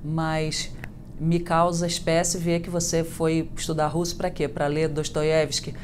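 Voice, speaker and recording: A middle-aged woman interviewing a guest over a video call, asking long questions and reacting with lively exclamations. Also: low-pitched, unhurried, slight background noise. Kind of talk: TV interview hosting. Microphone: video call webcam.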